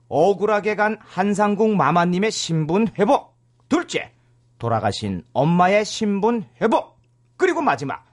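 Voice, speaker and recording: High-voiced, animated male storyteller. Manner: theatrical, chatty asides. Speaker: narrator and host. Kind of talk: comic storytelling of a drama plot.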